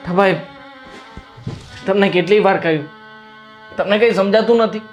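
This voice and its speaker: A man's voice: sits high, moderate pace, close to an everyday voice. A man playing a stubborn young man who insistently refuses an arranged marriage, speaking with exasperation, with faint music in the background. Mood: exasperated. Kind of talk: family drama acting.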